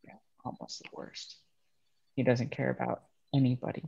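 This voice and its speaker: A man playing a bitter young railroad worker in a dramatic table read, speaking in a halting, understated way. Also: mid-range voice, flat delivery, vocal fry, warm tone, breathy edge, muffled recording. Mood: bitter, subdued. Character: bitter young railroad man estranged from his ruthless father.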